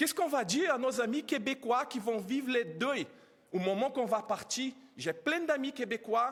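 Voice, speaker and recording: A man's extremely high-pitched voice with a Portuguese accent, lively intonation and a moderate pace. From Brazil. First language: Portuguese (speaking French). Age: 30s. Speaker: immigrant teacher trainer. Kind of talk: press conference testimony. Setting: press scrum at the National Assembly. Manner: emotional, halting.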